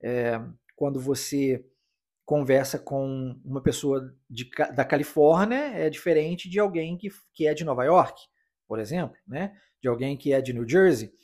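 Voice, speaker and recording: A man's voice: medium pitch, measured pace, a little mellow. A man from Brazil, teaching English in a podcast lesson and repeating phrases for practice. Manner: explanatory, repeats phrases for drill.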